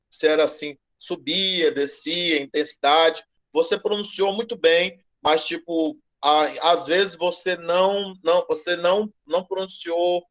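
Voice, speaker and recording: Hesitant man teaching Greek. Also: on the high side. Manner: hesitant, repeats words, slows to model pronunciation. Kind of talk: online class feedback.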